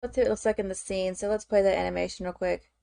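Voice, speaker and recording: A woman's voice: medium pitch, steady tone, racing, creaky, mellow, no echo. A woman streamer chatting casually as she works, thinking aloud with frequent fillers and "okay"s. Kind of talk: casual chat while working on screen.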